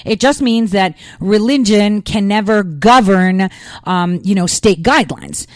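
A woman's voice: medium pitch, measured pace, darkish tone, dry recording, clean studio sound. A woman from the United States giving emphatic political commentary, peppering her talk with fillers and rhetorical questions.

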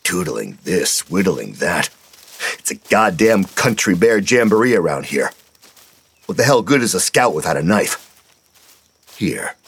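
A man voicing a crude, foul-mouthed older scout leader with a gruff, low voice. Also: sing-song, measured pace, pauses often, a bit bright, heavily acted.

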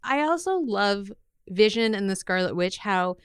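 A woman co-hosting a podcast, chatting casually in a playful, expressive, gushing manner. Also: mid-range voice, a little slow, smooth, no room sound, studio quality. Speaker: podcast co-host.

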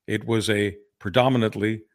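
A man's voice: on the low side, fairly even intonation, normal speed. An older man born in Hungary, co-hosting a political podcast, speaking earnestly and often restarting his phrases. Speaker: podcast co-host. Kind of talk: casual political discussion.

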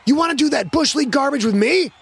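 A young, aggressive quarterback in a sci-fi sports story, voiced by a man reading aloud. His voice is husky and pushed higher, with a forceful edge. He barks commands like he owns the team. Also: lively intonation, normal speed, heavily acted. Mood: taunting rage. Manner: barking, commanding. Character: hot-tempered young male football quarterback, bossy and aggressive.

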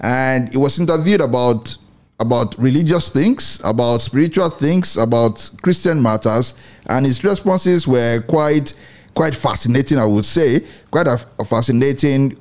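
A middle-aged man hosts a Christian radio commentary show, speaking earnestly and with measure and often repeating his phrases. His voice is medium in pitch with a darkish tone.

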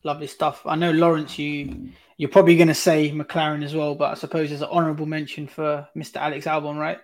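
A man with a fairly high voice hosts a casual podcast chat. He teases his panelists and keeps steering the talk along with questions. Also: flat delivery, fast talker, darkish tone. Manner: teasing, steering the discussion. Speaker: podcast host.

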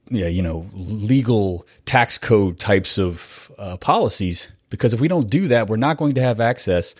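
A man's voice: fairly low pitch, no echo, studio quality. A man hosting a podcast with a casual, rambling manner, his voice stuffed up and nasal from a cold. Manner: rambling, chatty, with fillers and self-corrections. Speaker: podcast host. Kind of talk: casual podcast intro monologue.

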